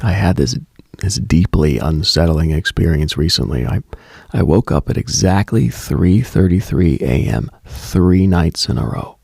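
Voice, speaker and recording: A man with a very low, heavily husky, gravelly voice gives a contemplative late-night radio monologue, hushed and brooding yet animated, with long deliberate pauses. The sound is close and very dry, with no echo.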